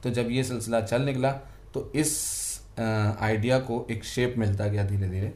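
Audible room echo is heard around a man's voice. He holds a medium pitch with fairly even intonation. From Maharashtra, India (Vasai). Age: 30s. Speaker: writer and literary podcaster. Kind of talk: interview conversation.

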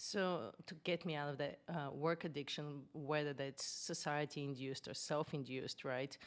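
With a Bulgarian accent, a woman speaks in a very deep, low voice with fairly even intonation and hardly any pauses. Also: moderate pace. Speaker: business coach, founder. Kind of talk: interview. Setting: remote call.

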